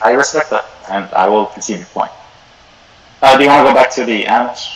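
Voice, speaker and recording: Over noticeable background noise, the talking rushes along at a very fast pace, its pitch varying in an ordinary way. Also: man, medium pitch for a man, big swings in loudness. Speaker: debate opponent. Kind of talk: heated debate.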